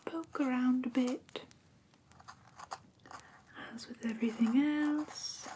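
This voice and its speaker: A woman plays a gentle vampire schoolmistress in an ASMR roleplay. She speaks in a breathy, unhurried whisper, close to the microphone, with a careful and politely formal teaching manner. A faint noise sits behind her. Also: high-pitched, steady tone. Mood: calm, attentive. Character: gentle, prim vampire woman teaching a human-care class. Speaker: ASMR performer.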